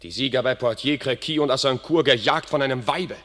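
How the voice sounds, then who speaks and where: An actor playing a fierce, arrogant English noble soldier in a classical verse radio play, declaiming with contempt. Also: male voice, medium pitch, brisk, a bit bright, lightly acted. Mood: bitter, ashamed. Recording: long reverberant hall sound.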